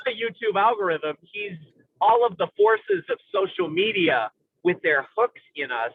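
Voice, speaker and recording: A man in an analytical, conversational film discussion, speaking in an intellectual, halting way with academic vocabulary as he searches for words. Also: high voice, big pitch swings, slightly rough. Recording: tinny phone-like radio-style sound.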